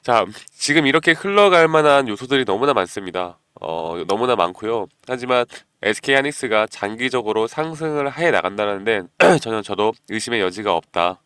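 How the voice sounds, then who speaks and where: Man with a cold, low clear voice. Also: fairly bright tone, no echo, clean studio sound. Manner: persuasive, keeps asking viewers "you know?". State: has a cold, clears his throat often. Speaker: stock market channel host. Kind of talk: stock analysis talk to viewers.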